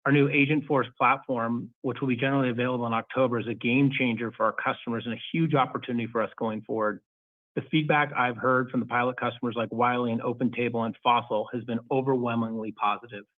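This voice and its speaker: A male company executive delivers prepared remarks for an earnings call. His voice sits at a medium pitch, and his delivery is formal and measured. The sound is thin and band-limited like a telephone conference line, with no room reverb. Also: fairly even intonation. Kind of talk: scripted earnings call presentation. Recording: phone-like narrowband conference call audio.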